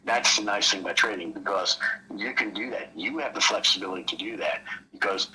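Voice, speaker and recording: A man's voice: sits low, brisk, pushed and bright, a little hiss or hum, rough recording. A man explaining trading casually on a call, rambling and leaning on "you know" between thoughts. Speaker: trading mentor.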